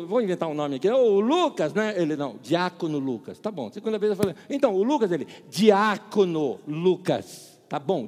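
Animated Brazilian pastor in reverberant hall. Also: male voice, high-pitched. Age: middle-aged. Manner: animated storyteller, acts out dialogue, laughs at own jokes. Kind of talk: sermon with humorous anecdotes.

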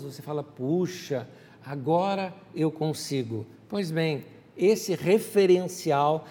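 A man preaching a sermon as a pastor, animated and speaking straight to his listeners. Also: sits high, big-room sound.

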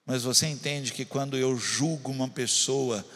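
A man's voice: medium pitch, fairly even intonation, normal speed, fairly bright tone, in a large hall. A man preaching a sermon, talking straight to his congregation and building intensity. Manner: preaching with rising intensity, addressing the congregation directly. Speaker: pastor.

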